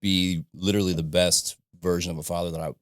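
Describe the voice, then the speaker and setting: A man in his thirties from southern Illinois, a guest on a podcast, chatting in a relaxed way with frequent laughs and "you know what I mean". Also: low-pitched, quick pace, clear, resonant tone, no echo, studio quality. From southern Illinois, USA. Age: 30s. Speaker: podcast guest, ironworker and business owner. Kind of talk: casual conversation. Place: podcast studio.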